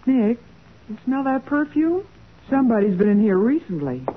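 A woman's voice: on the high side, big pitch swings, normal speed, noisy background. Female sidekick: young, inquisitive, slightly skeptical, 1940s radio drama delivery on a dull old recording. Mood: doubtful. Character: detective's young female assistant, eager, inquisitive, slightly doubtful.

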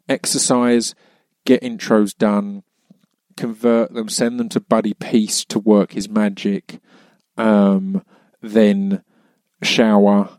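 A man's voice: lowish voice, a little mellow, no echo. A British man hosting a podcast, chatting casually in a rambling, self-deprecating way. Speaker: podcast host. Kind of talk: casual chat.

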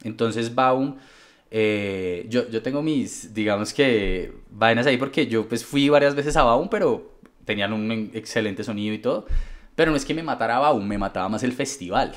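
A man with a Colombian accent, a DJ guest telling stories in a casual, relaxed interview with many fillers. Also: mid-range voice, moderate pace. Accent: Colombian Spanish. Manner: relaxed storytelling with frequent fillers.

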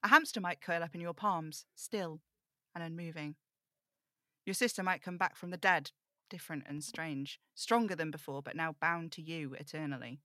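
A woman performs a lonely, thoughtful woman broadcaster in an audio drama. Her voice sits slightly low, with a crisp, bright edge and a very dry sound. She confides in her listeners with measured, wistful storytelling. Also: no room sound. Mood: grave, explanatory. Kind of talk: intimate scripted audio drama monologue.

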